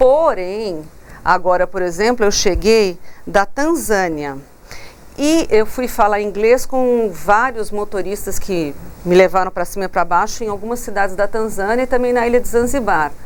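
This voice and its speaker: Noticeable background noise sits behind a woman speaking at a medium pitch. She talks at a fairly slow pace with lively intonation. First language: English (speaking Portuguese). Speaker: traveler. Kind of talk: TV talk show interview. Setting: TV studio.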